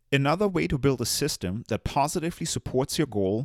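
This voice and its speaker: A man with a non-native accent, fairly quick and lively in intonation, in a very clean recording with a silent background and a dry, close sound with no echo. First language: not English. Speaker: self-improvement podcaster. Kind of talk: solo monologue, scripted.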